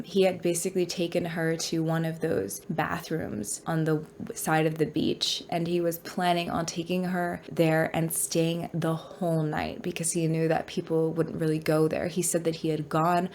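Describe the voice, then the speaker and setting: A woman's voice: sits low, little pitch movement, moderate pace, a little hiss or hum. A woman with a stuffy voice from a cold, chatting frankly to viewers about a true crime case. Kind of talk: casual talk to camera.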